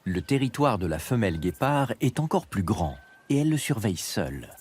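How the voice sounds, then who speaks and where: A man's voice: lowish voice, very animated, brisk, darkish tone, breathy edge. A man reading scripted narration for a nature documentary, with music behind him. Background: background music.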